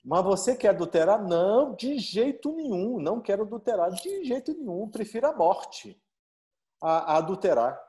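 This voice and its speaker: A man with a Brazilian Portuguese accent, a marriage therapist giving a live-stream talk, animated and full of rhetorical questions. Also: sits high, normal speed. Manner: animated, acts out little dialogues and asks rhetorical questions.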